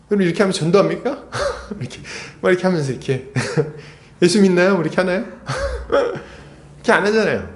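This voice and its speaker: A man's voice: high-pitched, darkish tone. A man preaching an expository sermon as a pastor, talking conversationally and asking the congregation rhetorical questions. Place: church sanctuary. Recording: echoey church hall.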